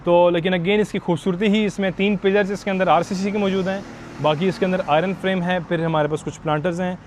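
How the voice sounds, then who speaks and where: Over slight background noise, a quick-paced man whose voice sits high with fairly even intonation gives an outdoor walkthrough house tour. His accent is Pakistani Urdu, and he chats directly with viewers while switching into English phrases.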